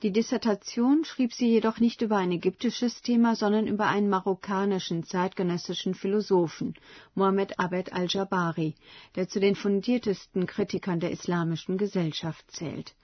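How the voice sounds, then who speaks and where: A woman reporter reading a scripted radio feature in a measured, even way. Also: mid-range voice, no room sound, muffled recording.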